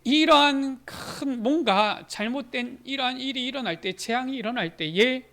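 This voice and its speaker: A male pastor preaching a sermon in a church, asking rhetorical questions and rising into loud, emphatic lines. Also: very high-pitched, normal speed. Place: church sanctuary.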